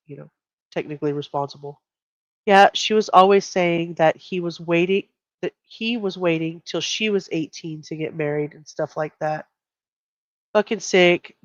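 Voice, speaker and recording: A woman's voice: lowish voice, no echo, muffled recording. A middle-aged woman, hosting a casual true crime live stream, reading out and commenting in a conversational, blunt way.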